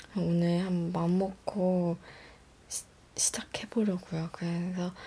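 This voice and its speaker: Soft-spoken, a woman talks at a very slow pace. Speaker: ASMR creator. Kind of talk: casual role-play chat. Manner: soft, hushed close-mic ASMR talk. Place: home room. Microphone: studio mic.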